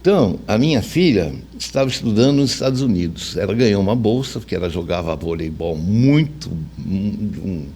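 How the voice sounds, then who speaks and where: A man's voice: lowish voice, lively intonation, fairly quick, few pauses, mellow, a little hiss or hum. An older man with a Brazilian accent, telling anecdotes casually and colloquially as an interview guest. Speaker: interview guest, veteran radio journalist.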